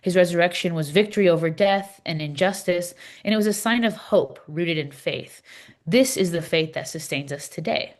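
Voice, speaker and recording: A woman reading the part of an earnest, impassioned Palestinian Christian in a scripted readers theater dialogue, speaking deliberately and with emphasis. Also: on the low side, natural voice. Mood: earnest, devout. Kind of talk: scripted dialogue read as measured conversation.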